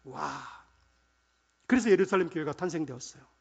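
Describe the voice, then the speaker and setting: A middle-aged male pastor with a fairly high voice delivers a lively sermon. He drops to quiet, chatty asides, then rises to loud, stretched-out proclamations of scripture. He also calls on the congregation to recite lines back with him. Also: fast talker, lo-fi sound. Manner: animated preaching, swings from soft asides to loud proclamations; quotes scripture in archaic phrasing and leads the congregation in call-and-response.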